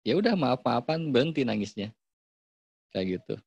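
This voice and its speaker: A man with an Indonesian accent giving a casual online parenting talk, chatty and relaxed, acting out what parents and children say. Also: mid-range voice, moderate pace, creaky, husky, no echo. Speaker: parenting workshop speaker.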